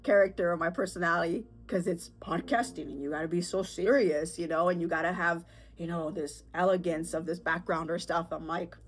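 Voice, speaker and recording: A stuffed-up podcast host with a sore throat talks briskly in a lowish, steady voice. It's casual solo chatter, candid and rambling, peppered with fillers and nervous laughs.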